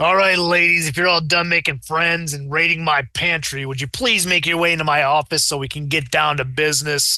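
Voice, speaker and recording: A man puts on a gravelly character voice, fairly high in pitch, at a fairly quick pace. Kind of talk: dry, businesslike.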